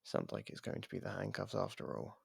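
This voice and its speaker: A man playing an imprisoned serial killer in an ASMR audio drama, smug, taunting and flirtatious, with a husky, gravelly voice and a sarcastic drawl. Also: deep voice, sing-song, a little fast, no echo, clean studio sound, full character voice. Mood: teasing, flirtatious. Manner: drawling, sarcastic, teasing delivery.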